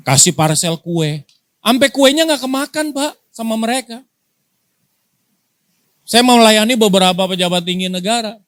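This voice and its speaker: A man's voice: on the high side, no room sound. A male pastor from Indonesia preaching a sermon, firing rhetorical questions at the congregation and dropping into casual slang. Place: church.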